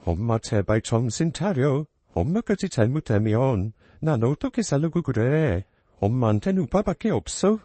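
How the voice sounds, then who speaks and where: A man plays a desperate young adult daughter in a storybook drama. She pleads and reproaches her mother, her mellow voice swinging widely. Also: medium pitch, big pitch swings, moderate pace, no room sound.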